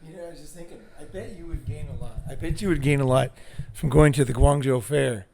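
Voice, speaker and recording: A man with a gravelly edge and a slightly high voice tells stories to a small group. His talk is loose and animated, full of fillers and some swearing. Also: fast talker. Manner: animated anecdotes, profane, lots of 'like' and 'you know'. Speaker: group member telling stories. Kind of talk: casual storytelling.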